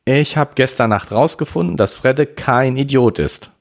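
A man voicing a cheerful, excited teenage girl with a bubbly, eager way of talking, in an audiobook reading. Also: mid-range voice, moderate pace, gravelly, voice pushed up, natural voice.

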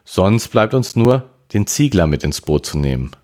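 A man's voice: fairly low pitch, very animated, normal speed, a little mellow, pitched above the performer's own voice. A man doing a thoughtful teenage boy.

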